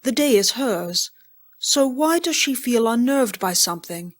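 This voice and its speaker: A woman's voice: a little high, expressive, measured pace. Woman narrating an audio drama script.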